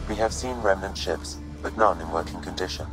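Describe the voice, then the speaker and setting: Guy doing a calm low ai helper from a sci-fi game, formal n precise, music behind it. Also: fairly quick, close to an everyday voice, low-quality recording. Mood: calm, clinical. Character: calm, analytical male artificial intelligence assistant. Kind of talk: video game cutscene voice acting.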